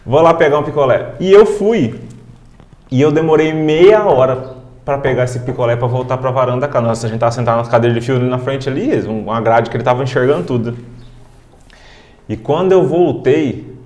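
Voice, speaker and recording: A man's voice: mid-range voice, brisk, a little mellow, roomy sound. A man, telling a personal story as a guest in an interview, emotional and heartfelt. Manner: emotional, heartfelt, frequent "cara". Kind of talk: casual storytelling in a podcast interview.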